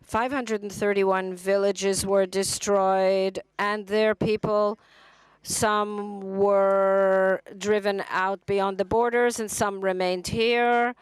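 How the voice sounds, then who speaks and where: Slow, smooth-voiced woman interpreting. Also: mid-range voice, flat delivery, dry recording, poor audio. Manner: halting, with frequent restarts and fillers. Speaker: simultaneous interpreter. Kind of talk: interpreting a conference speech. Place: conference hall.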